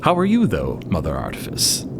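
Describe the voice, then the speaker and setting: A man voicing a troubled, courteous explorer who speaks haltingly and wordily in an audio drama. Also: extremely low pitch, huge pitch swings, vocal fry, noisy background, voice pushed down, full character voice. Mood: polite, subdued. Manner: halting, wordy, polite. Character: troubled, hesitant, courteous man of a cosmic expedition.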